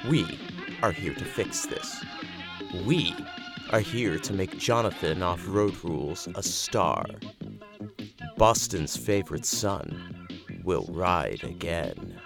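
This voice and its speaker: A man's voice: low voice, sing-song, takes it slowly, vocal fry, long pauses. A man announcing a scripted promo with a mock-grand delivery. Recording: music bed under voice.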